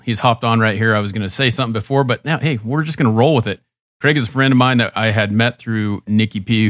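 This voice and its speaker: A male podcast host with a low voice, talking over a remote call. He keeps things laid-back and casual, and the sound is dry and close. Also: fairly bright tone, no echo. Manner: laid-back, loose phrasing. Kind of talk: casual interview hosting.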